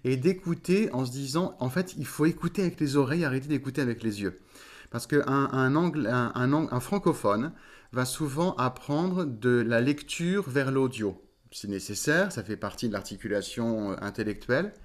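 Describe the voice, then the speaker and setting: A man's voice: medium pitch, expressive, normal speed. French-speaking man, voice coach, thinking aloud. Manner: thoughtful, searching for words with many fillers. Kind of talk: interview conversation.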